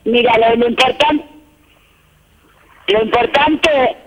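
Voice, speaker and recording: A woman speaking calmly as a guest over a choppy phone line that keeps breaking up, talking in measured phrases with restarts. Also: on the high side, big-room sound. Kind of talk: live phone interview.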